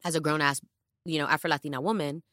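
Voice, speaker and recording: This Bronx-born podcast co-host speaks fast in a low voice during a casual chat. She's frank and animated, her voice rising and falling in bursts, and the studio podcast mic yields studio-quality audio without echo.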